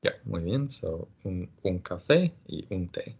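A man teaching a casual language lesson, patient and encouraging, explaining things slowly. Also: deep voice, big pitch swings, gravelly, a little mellow, breathy edge, dull audio.

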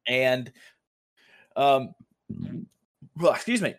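A man's voice: medium pitch, expressive, very slow, fairly bright tone. A young man chatting casually about tabletop role-playing games, telling a long story with lots of fillers and the odd swear word. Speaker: podcast co-host, game master.

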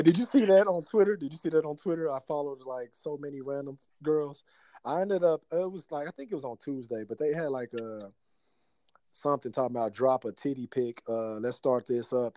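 A man in his thirties co-hosting a casual podcast, joking and bantering in relaxed slang. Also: mid-range voice, dry recording. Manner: laid-back slangy banter with laughs. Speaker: podcast co-host. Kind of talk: casual chat.

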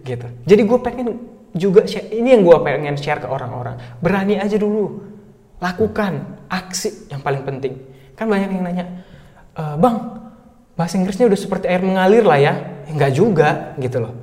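A young man in his twenties from North Sumatra, a native Batak speaker, chatting casually as an interview guest in a lively way and dropping in English words. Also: a little high. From North Sumatra, Indonesia. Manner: lively, fast talker mixing in English words. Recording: reverberant room.

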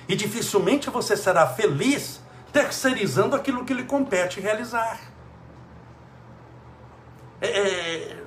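A man with a high voice preaching to his listeners. He asks rhetorical questions and slips into voices to act out the people he quotes. The room is echoey, with a faint hiss behind him. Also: fairly bright tone. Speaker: spiritual speaker.

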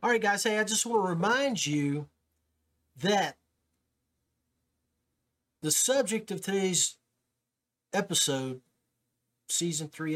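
A man's voice: fairly high pitch, fairly bright tone. A man hosting a fishing podcast, talking casually and rambling a bit with fillers and restarts. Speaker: podcast host.

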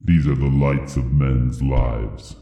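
A man putting on grave, booming Death. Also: fairly even intonation, gravelly, warm tone, reverberant, heavily acted. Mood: solemn. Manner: slow, grave pronouncements. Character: grim, solemn Death, ancient male spirit.

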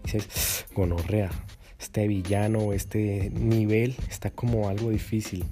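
A man's voice: lowish voice, little pitch movement, slow pace, dark tone, soft background music. A man hosting a motivational dating podcast, acting out inner voices with gasps and exclamations. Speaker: dating coach podcast host.

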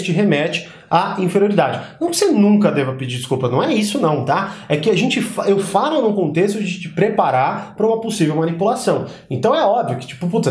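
A man's voice: on the high side, reverberant. A man coaching on persuasion in a casual, informal monologue, acting out little dialogues as he goes. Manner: animated, acts out dialogue in quotes; informal slang-heavy delivery.

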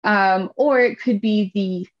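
A woman with a Seattle-area accent chats as a guest, loose and friendly, with frequent fillers and easy laughs. Her pitch sits mid-range for a woman. The audio is somewhat muffled and lo-fi. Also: slow pace. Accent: Seattle-area American English. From Washington State, USA. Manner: chatty, laughs easily, many fillers. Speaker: guest, English teacher. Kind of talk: casual podcast interview.

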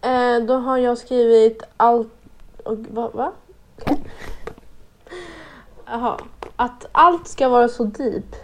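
A woman's voice: a little high, fairly even intonation, long pauses, a little hiss or hum. A young woman from Sweden in casual chat, giggly and mocking people in quoted voices, mixing in English slang.

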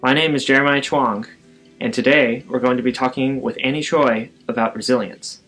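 A man's voice: mid-range voice, steady tone, moderate pace, a bit bright, faint music behind, rough recording. A man hosting a podcast interview, asking questions in a friendly way with hesitant uhs. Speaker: podcast host.

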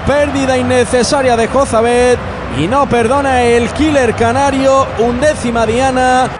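Male football radio commentator, Spain accent, very high-pitched, impassioned play-by-play, clearly noisy outdoor recording. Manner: passionate, shouting, drawn-out exclamations.

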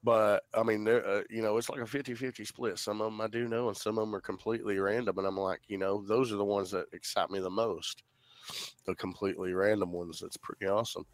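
A man's voice: lowish voice, flat delivery, fast, dry recording. A man in his thirties with a stuffy head cold, chatting casually and swearing easily on a voice call. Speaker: podcast host. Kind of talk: casual chat.

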